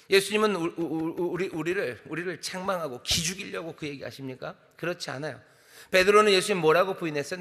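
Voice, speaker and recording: A man's voice: high voice, bright, forceful tone, in a large hall. A male senior pastor giving an earnest dawn sermon in a church, asking many rhetorical questions. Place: church sanctuary.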